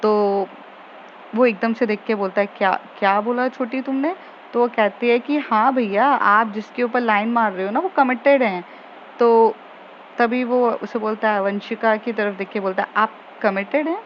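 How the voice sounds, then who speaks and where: A woman's voice: on the high side, moderate pace. A woman casually retelling a romantic story scene by scene, quoting the characters' lines, with frequent fillers. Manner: chatty, retells scenes with quoted dialogue and fillers. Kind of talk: casual spoken story recap. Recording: dull lo-fi audio with faint noise.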